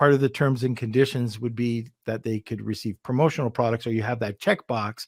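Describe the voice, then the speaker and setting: A man talks in a normal speaking voice, fairly quickly and with hardly any pauses, his intonation fairly even. The recording is very clean with a silent background and a dry, close sound with no echo. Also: medium pitch for a man. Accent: Canadian. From Canada. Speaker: podcast host. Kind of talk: podcast interview.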